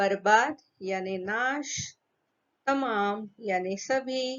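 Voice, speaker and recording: In a Marathi accent, a woman speaks at a fairly high pitch with ordinary pitch variation. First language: Marathi (speaking Hindi). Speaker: school teacher. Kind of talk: online lesson for schoolchildren. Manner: slow, clear explanatory.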